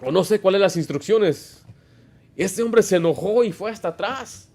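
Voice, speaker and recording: A man's voice: sits high, expressive, moderate pace, vocal fry, darkish tone. A man, preaching a Baptist sermon as pastor, emphatic and full of stories and rhetorical questions. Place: church.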